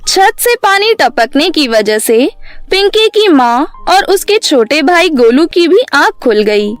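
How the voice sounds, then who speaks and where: A woman's voice: high-pitched, very animated, slow pace, dry recording, soft background music. A woman narrating a scripted children's story as the storyteller.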